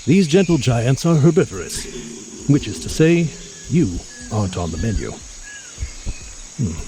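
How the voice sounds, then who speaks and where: Learned mutant scientist, animated swooping intonation, genial, pompous, florid phrasing, audio drama, outdoor insect sounds behind. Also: male voice, medium pitch, unhurried, a little hiss or hum. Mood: reassuring, learned. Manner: florid, pompous, bookish vocabulary with emphatic delivery. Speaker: scientist guide. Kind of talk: acted audio drama speaking to the listener.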